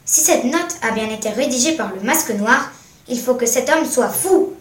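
A woman's voice: fairly high pitch, lively intonation, normal speed, lightly acted. Woman voicing a stunned indignant boy. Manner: emphatic, indignant. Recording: roomy echo, mic at a distance.

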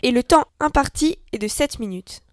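A woman's voice: high voice, expressive, normal speed, no echo, studio quality. A young woman co-hosting a scripted debate show, matter-of-fact and teasing. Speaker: co-host.

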